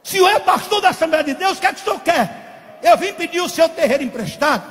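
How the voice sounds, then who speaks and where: A man with a Brazilian Portuguese accent preaching a testimony sermon as a pastor, in a sing-song cadence with repeated phrases that climb into shouts. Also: very high voice, expressive, quick pace. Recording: long hall reverb with faint music.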